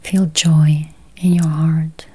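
Very slow, whispery woman guiding meditation. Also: low-pitched, level tone, dark tone. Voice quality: breathy, whispery. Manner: slow, soothing, long pauses. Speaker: guided meditation host. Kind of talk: guided meditation, slow affirmations.

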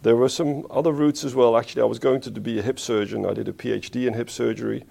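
A man from the Netherlands, a spine surgeon being interviewed, who talks in a thoughtful, unhurried way and corrects himself as he goes. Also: medium pitch, fairly even intonation, gravelly, warm tone. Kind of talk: conversational interview.

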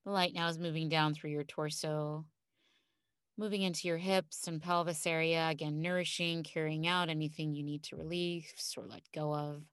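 Female coach for a calm grounding exercise: lowish voice, gentle and soothing, recorded dry in a recording space. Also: moderate pace, smooth, no room sound. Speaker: coach leading a guided calming exercise.

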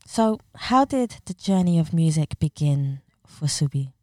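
A woman's voice: sits low, animated, unhurried, darkish tone, no room sound, clean studio sound. A woman hosting a podcast interview, enthusiastic and full of praise for her guest. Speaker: podcast host.

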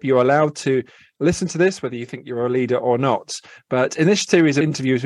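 A man's voice: medium pitch, a little mellow, no room sound, studio quality. A man hosting a podcast interview, friendly and a little hesitant, with many fillers and restarts. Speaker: podcast host.

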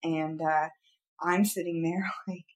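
A woman in her thirties, a podcast co-host, talks through a personal worry in casual chat recorded on a studio podcast mic. Her voice is lowish and slow with little pitch movement, and she speaks earnestly and ramblingly, with many fillers and restarts.

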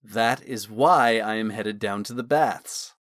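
A man's voice: mid-range voice, lively intonation, measured pace, a bit bright, no room sound, studio quality. A man voicing a teasing, smug but fond male guardsman in an audiobook, with a wry way of talking. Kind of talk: audiobook character dialogue.

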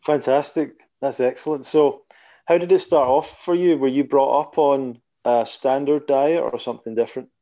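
A podcast host welcomes listeners and asks the guest questions, often adding short encouraging replies. The voice is very dark and mellow. The recording sounds dull and lo-fi. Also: mid-range voice, fairly even intonation, normal speed. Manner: encouraging, frequent backchannel. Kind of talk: podcast interview.

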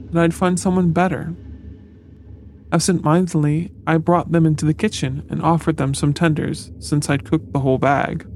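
A man's voice: on the high side, noisy background. Man narrating a horror tale. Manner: measured, dramatic storytelling pace. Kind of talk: scripted first-person horror narration. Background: faint background music.

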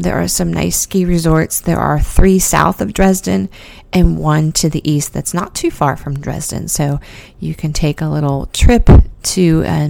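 Chatty woman with a gravelly low voice. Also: darkish tone, no echo. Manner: chatty, many ums and restarts. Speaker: podcast host. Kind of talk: casual solo podcast talk.

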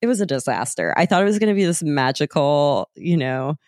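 A woman's voice: low voice, big pitch swings, brisk, darkish tone, no room sound, studio quality. A young adult woman from the South, co-hosting a podcast and laughing often as she tells stories. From American South. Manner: upbeat, laughs often while telling stories. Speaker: podcast co-host. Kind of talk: casual chat.

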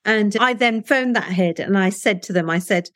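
A woman's voice: mid-range voice, moderate pace, a bit bright, no room sound, clean studio sound. Earnest woman posing rhetorical questions. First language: Punjabi. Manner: persuasive, asks rhetorical tag questions. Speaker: interview guest. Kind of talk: earnest conversational interview.

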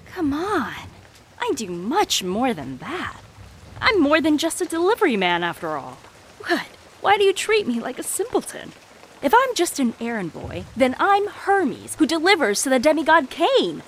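An actress playing a proud, flamboyant jewel merchant in an audio drama, effusive, theatrical and wheedling. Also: female voice, sits high, wildly swooping pitch, normal speed, slight background noise. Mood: wounded pride. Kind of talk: scripted audio drama acting.

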